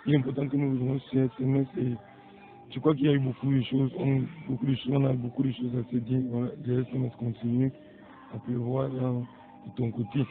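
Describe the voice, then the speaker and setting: A man, a guest pastor on a Christian radio show, talking in a measured way and blessing the listeners. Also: medium pitch, monotone. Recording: tinny lo-fi radio broadcast.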